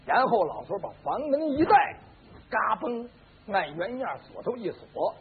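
This male storyteller tells a traditional tale vividly and dramatically, adding his own sound effects. His voice sits high with big pitch swings and a slightly slow pace, captured on a lo-fi, phone-like recording with faint hiss.

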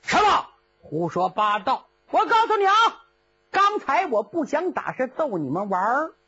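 A woman's voice: high voice, very animated, measured pace, sharp tone, husky, dull audio, heavily acted. A woman voicing a boastful, blustering old male general, bragging in comic bluster.

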